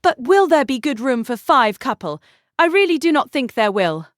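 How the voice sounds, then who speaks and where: A spirited young gentlewoman, protesting in emphatic, well-formed phrases. The voice is high and very animated, with a dry, close sound suited to a full-cast period audiobook. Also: moderate pace, dry recording. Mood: doubtful.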